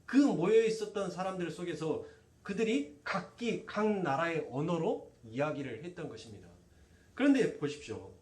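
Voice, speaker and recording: A man's voice: fairly high pitch, big pitch swings, normal speed, darkish tone, far from the mic. A male pastor, preaching a sermon and firing rhetorical questions at his congregation. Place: church sanctuary. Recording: echoey room, voice off-mic.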